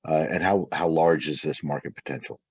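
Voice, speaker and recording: A man moderating an earnings call, reading out investor questions in a halting way. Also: very deep voice, steady tone, darkish tone, breathy edge, no echo.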